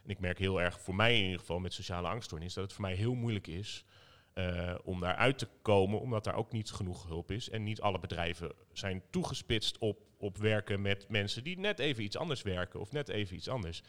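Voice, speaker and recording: A man's voice: on the low side, fairly quick, a bit bright. A Dutch man, a political candidate, talking in a casual panel with many fillers and restarts.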